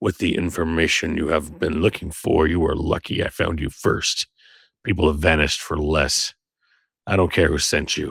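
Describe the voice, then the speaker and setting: Putting on a character voice, a man speaks very deep and low, gravelly and raspy, in a monotone, flat delivery at a moderate pace. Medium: read story. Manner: low, clipped, secretive.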